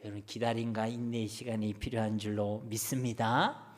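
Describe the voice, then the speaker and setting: A man's voice: fairly low pitch, little pitch movement, moderate pace. A middle-aged man with a Gyeongsang Korean accent preaching a sermon as pastor, asking the congregation rhetorical questions.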